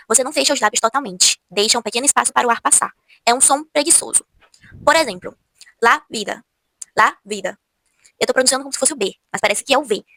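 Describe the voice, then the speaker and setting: A Brazilian woman teaching Spanish pronunciation in a casual video lesson, often repeating words slowly to show each sound. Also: sits high, a bit bright, no echo. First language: Portuguese.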